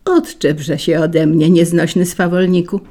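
A woman's voice: lowish voice, steady tone, a little slow, warm tone. Woman voicing a grumpy male carnation. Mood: irritated. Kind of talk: storybook reading.

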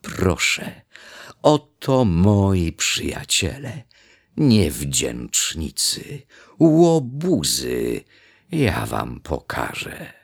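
A man voicing an angry young peacock in a children's story, speaking in slow, heavy outbursts. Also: on the low side, sing-song, a bit bright, breathy edge, pitched above the performer's own voice, full character voice. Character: young male peacock, meek turned furious.

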